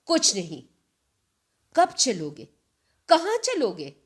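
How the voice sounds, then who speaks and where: A woman voicing a resolute young woman freedom fighter in a dramatic story reading, asking measured, pointed questions. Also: high voice, huge pitch swings, slightly rough, full character voice. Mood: cold, probing. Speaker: voice actor in a narrated story.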